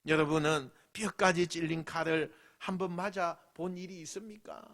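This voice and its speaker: A man with a Busan accent preaching a sermon as pastor, dramatic, swinging from loud lines to whispers and acting out mocking voices. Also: fairly high pitch, steady tone, normal speed. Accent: Busan Gyeongsang dialect. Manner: acts out mocking voices of scoffers.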